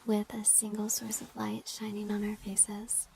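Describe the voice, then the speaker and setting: A woman playing a playful, flirty crush in an intimate ASMR roleplay, speaking in a soft, breathy whisper with a teasing, hesitant manner. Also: mid-range voice, completely flat delivery, a little slow, a little hiss or hum, rough recording. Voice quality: breathy, mostly unvoiced whisper.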